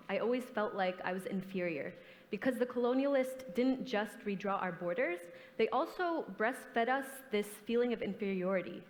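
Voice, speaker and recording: A young woman, an artist, answering on a forum panel in an earnest, reflective, impassioned way. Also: mid-range voice. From grew up in the US and Canada. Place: large conference hall. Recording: hall reverb, stage mic.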